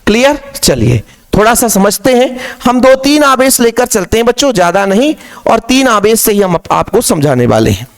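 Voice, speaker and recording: A man's voice: sits high, big pitch swings, normal speed. A man teaching physics to his pupils, repeating key phrases and asking questions that he then answers himself. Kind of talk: classroom lecture.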